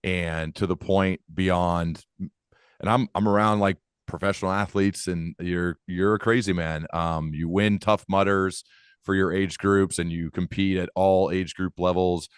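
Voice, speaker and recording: A man with a very low voice hosts a podcast interview, asking curious, probing questions. His voice sounds close and dry, with no room sound. He leans in with open enthusiasm. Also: fairly even intonation, unhurried, clear, resonant tone, no echo. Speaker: podcast host.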